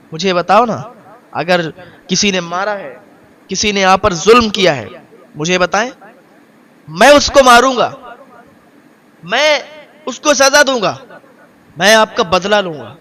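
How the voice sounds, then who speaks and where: A man's voice: high voice, animated, long pauses. A man voicing a kind-hearted Christian stranger who consoles and reassures a weeping man. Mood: concerned. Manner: consoling, reassuring, gently insistent.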